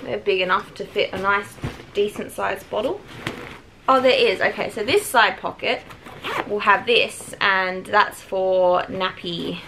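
Mum vlogger, easy and chatty, mid pitch, clear background noise at home. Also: female voice, measured pace. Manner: chatty and relaxed, with many "like" fillers. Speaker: vlogger reviewing a product. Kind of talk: casual home product review. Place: family home with children nearby. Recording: clearly noisy home recording.

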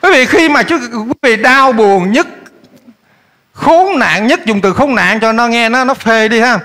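Man, pastor, high voice, lively questioning sermon. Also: unhurried. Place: church hall. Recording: echoey church hall.

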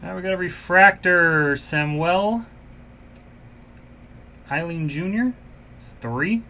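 A man hosting a card break speaks in an unhurried, offhand way, calling out names and serial numbers. His voice sits a little high for a man. A faint hum of room noise runs under his talk. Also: pushed and bright. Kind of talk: casual live card-break commentary. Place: indoor card shop room.

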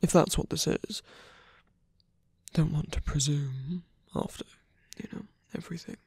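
Man acting a breathy, husky, guarded villain lover. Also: on the high side, fairly even intonation, a little mellow, dry recording, studio quality. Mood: tentative, tender. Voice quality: breathy, husky, often half-whispered. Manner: hesitant, halting, with long pauses and sighs. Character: wounded male villain, softened, guarded, tired lover. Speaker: ASMR voice actor. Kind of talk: intimate ASMR roleplay acting. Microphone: close microphone, dry.

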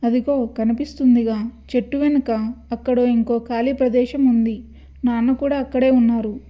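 A woman's voice: a little high, steady tone, moderate pace, highs cut off, close to an everyday voice. A woman voicing a female ghost who poses as a boy's mother, coaxing and menacing in a storybook. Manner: coaxing then threatening.

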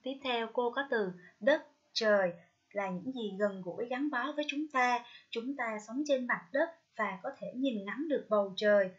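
A woman primary school teacher from Vietnam giving a recorded reading lesson to first graders, gently sounding out words slowly, syllable by syllable. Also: on the high side. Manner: slow, careful syllable-by-syllable pronunciation drills; gentle, coaxing address to young pupils. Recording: dull lo-fi recording.

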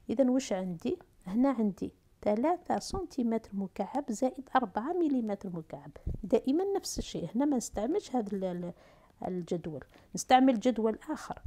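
Woman, Algerian Arabic accent, mellow tone, step-by-step lesson, asks and answers herself. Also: medium pitch. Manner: talks through steps slowly, asks and answers herself. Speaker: math and physics teacher. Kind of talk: whiteboard lesson for middle school.

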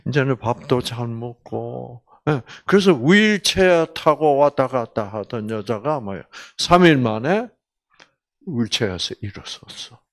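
A man lecturing slowly and deliberately, a doctor giving a faith-based health talk. He keeps firing questions at his audience and acts out quoted lines, sliding from loud bursts down to hushed whispers. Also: medium pitch. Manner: quizzes the audience with constant questions; acts out quoted speech and drops to whispers for effect.

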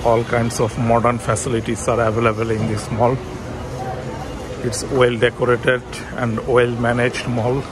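A man giving a walking tour of a shopping mall, pointing out shops in plain, halting sentences with fillers. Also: medium pitch, monotone. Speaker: travel vlogger. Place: busy shopping mall, indoors. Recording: loud crowd and mall noise behind.

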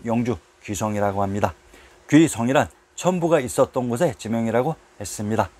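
Guy reading out a history script, calm and even, goes through place names one by one like a list. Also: mid-range voice. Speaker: narrator of history videos. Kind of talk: scripted narration read from a text.

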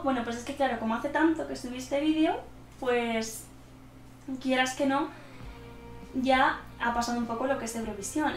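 An eighteen-year-old woman from central Spain, casually answering viewer questions in a quick, nervous way, stumbling over words and laughing often. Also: a little high, echoey room. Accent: Spanish from central Spain. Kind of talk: casual Q&A vlog. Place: small room indoors.

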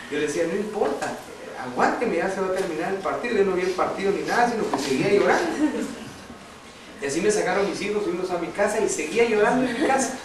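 Preacher in an echoey hall. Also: male voice, high-pitched. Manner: conversational, asks the congregation questions, tells a story with laughs. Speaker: lay preacher. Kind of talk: preaching testimony to a congregation. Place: church hall. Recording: echoey hall, distant mic, background noise.

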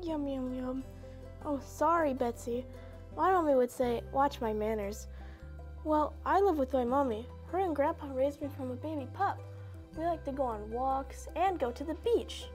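This is a little lost puppy dog in a children's puppet show, voiced by a woman. The voice sits high, sweet and innocent, with a childlike openness. Soft music plays faintly behind. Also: moderate pace, natural voice.

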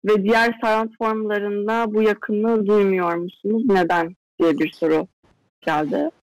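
A woman's voice: mid-range voice, fairly even intonation, a little slow, dry recording, poor audio. A young woman moderating an interview on a video call and relaying audience questions. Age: young adult. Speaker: interviewer, editor. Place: indoor room at home, video call. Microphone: video call microphone.

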